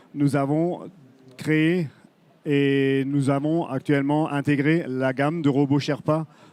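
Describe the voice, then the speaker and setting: Speaking with an Alsatian accent, a man uses a fairly high pitch and monotone, flat intonation. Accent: Alsatian French accent, noticeable. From Alsace, eastern France. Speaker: industrial company executive. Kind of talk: panel presentation. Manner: hesitant, many fillers.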